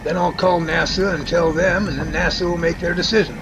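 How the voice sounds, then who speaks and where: Man acting a creaky, folksy professor. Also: high-pitched, level tone, a little fast, noisy background. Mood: explaining. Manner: folksy, wordy, explanatory. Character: chatty, folksy professor, enthusiastic male explainer. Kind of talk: amateur radio drama acting.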